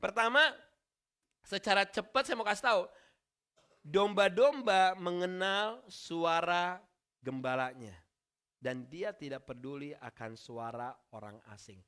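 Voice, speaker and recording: A man preaching a sermon in a church, telling stories with slang and bursts of shouted reenactment. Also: sits high, measured pace, clean tone. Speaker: pastor.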